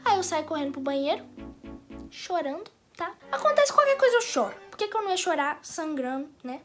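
A young Brazilian woman tells a comic story on her vlog, with a dramatic, animated delivery. Her voice sits high, and faint music plays softly behind her. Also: brisk. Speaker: YouTuber.

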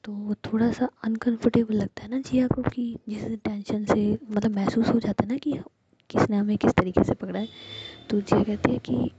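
A woman telling a love story in a soft, intimate, breathy whisper, in a whispered storytelling style. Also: mid-range voice, steady tone, normal speed, lo-fi sound.

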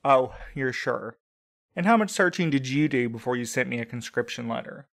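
A man's voice: medium pitch, animated, normal speed, a bit bright, no room sound, studio quality. A man playing a grieving young courier who is bitter and accusing, with clipped lines.

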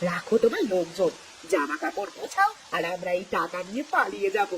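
A woman's voice: mid-range voice, very animated, a little fast, a bit bright, slight background noise. A woman voicing a greedy, scheming village wife in a cartoon, bossy and scolding. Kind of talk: dubbed cartoon acting.

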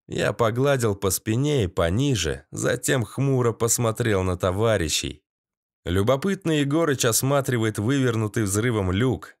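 A man reading a first-person audiobook aloud in an expressive, dramatic way. His voice sits in an ordinary mid-low male range. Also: no echo, studio quality. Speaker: audiobook narrator.

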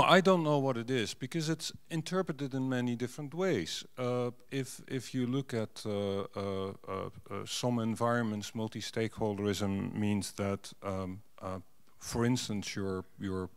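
A man's voice: fairly low pitch, unhurried. A middle-aged man, not a native English speaker, speaking as a panelist at a conference with many fillers and restarts into a handheld mic. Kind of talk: panel discussion. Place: conference stage. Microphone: handheld microphone.

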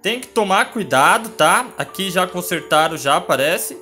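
High-pitched, scared Brazilian male horror game streamer. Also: animated, normal speed, sharp tone. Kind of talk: casual gameplay commentary. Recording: music behind the voice.

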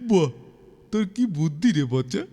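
A man voicing a clever, eager cartoon schoolboy who panics easily, with exclamatory, drawn-out delivery. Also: fairly high pitch, sing-song, dark tone. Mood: eager, scheming. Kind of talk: children's cartoon dubbing. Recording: long reverb, clear music behind.

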